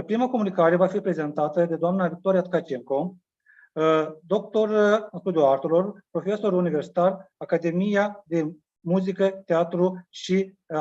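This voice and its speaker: High-voiced man moderating a conference. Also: darkish tone. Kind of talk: formal bilingual announcements. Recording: dull, muffled conference audio.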